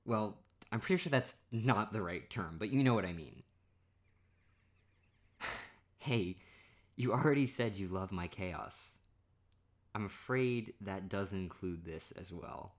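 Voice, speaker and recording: A man speaks in a hushed, intimate boyfriend-roleplay monologue. He is playful and self-mocking, teasing and laughing at his own story in a soft voice. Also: fairly low pitch.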